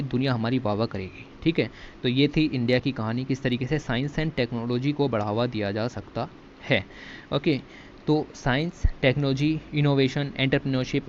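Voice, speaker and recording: Chatty man teaching. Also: mid-range voice. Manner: chatty, repeats "ठीक है" and "okay" as fillers. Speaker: exam prep teacher. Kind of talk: casual lecture walking through a magazine. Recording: slightly dull recording with faint background hiss.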